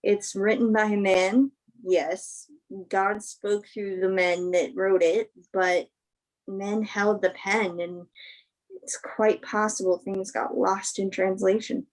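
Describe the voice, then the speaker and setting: A woman's voice: medium pitch, little pitch movement, darkish tone, lightly acted, rough recording. Woman playing an earnest, thoughtful film actress. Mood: earnest, reflective. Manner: earnest, measured phrasing. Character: Emma, sincere film actress woman, thoughtful, open-minded believer. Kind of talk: virtual staged play reading, naturalistic dialogue.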